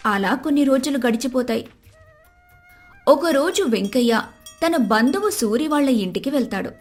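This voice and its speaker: High-pitched woman narrating a story. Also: expressive, normal speed, soft background music.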